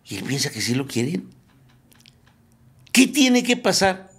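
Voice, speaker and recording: A man giving a spiritual recovery talk, telling it as a lively story and repeating phrases for emphasis. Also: on the high side, a little slow, breathy edge. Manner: lively storyteller who acts out the quotes he tells. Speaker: speaker at a recovery group meeting.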